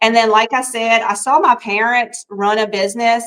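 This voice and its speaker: A woman speaks in a Southern Louisiana accent. Her pitch is fairly high and her pace moderate. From US South, south Louisiana. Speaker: small business owner, reseller. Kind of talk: interview.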